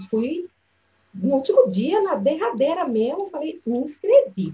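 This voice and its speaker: Very slowly, a woman with a high pitch and a dark, mellow tone speaks, her pitch swinging very widely. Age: 50s. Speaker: course participant. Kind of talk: testimony. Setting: video call.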